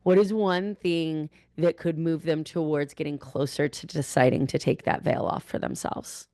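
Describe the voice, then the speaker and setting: Woman podcast host, low voice, deliberate emphatic questions, really dry close sound. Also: steady tone, dark tone, no room sound. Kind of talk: conversational interviewing.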